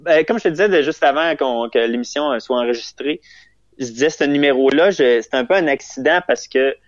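Speaking fairly quickly in a mid-range voice, a young Québécois comedian guest rambles self-amusedly through a casual interview, with many fillers and restarts. The sound is echo-free but slightly dull and lo-fi.

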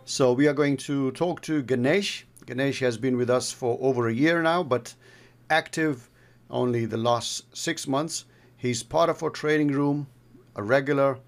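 A man hosting a trading podcast and interviewing a guest in a measured, friendly way. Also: medium pitch. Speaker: podcast host and trading mentor.

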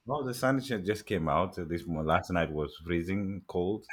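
This is an animated, very deep-voiced middle-aged man with a Somali accent, an agriculture executive chatting casually as an interview guest. His delivery halts frequently, with many fillers and restarts.

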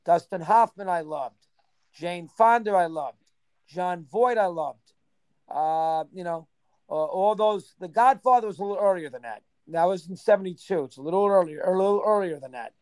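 A man in his sixties, reminiscing in a casual interview, rambling and rattling off names in quick bursts. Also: sits high, darkish tone, clear, resonant tone, dry recording. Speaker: interview guest.

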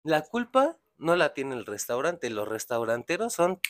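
A man's voice: on the high side, sing-song, unhurried, no echo. A young man with a Mexican accent telling a story in casual chat, slangy and profane, acting out the people in it. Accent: Mexican Spanish. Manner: slangy, swears a lot, acts out characters in his story.

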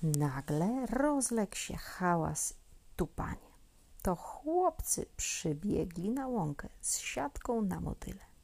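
Slow, lively storybook reading by a woman. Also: mid-range voice, vocal fry, breathy edge. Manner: gentle and expressive, often dropping to a near whisper. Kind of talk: children's story read aloud.

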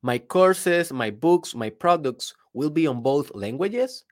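A man's voice: a little high, lively intonation, takes it slowly. A native Spanish-speaking man with a Spanish accent, giving an emphatic solo motivational talk as a business coach, often asking the listener rhetorical questions.

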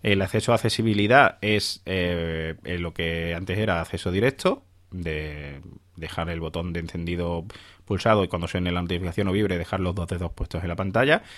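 A man's voice: deep voice, normal speed, fairly bright tone, no room sound. A man from hosting a podcast, casually demonstrating a phone with chatty enthusiasm. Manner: chatty, many fillers and restarts, enthusiastic. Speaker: podcast host. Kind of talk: casual tech demo.

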